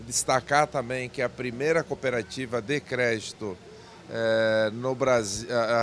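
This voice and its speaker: A man, president of a cooperative bank, speaking measuredly with restarts in an interview at an indoor event stand on a handheld mic. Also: mid-range voice. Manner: measured, repeats and restarts phrases.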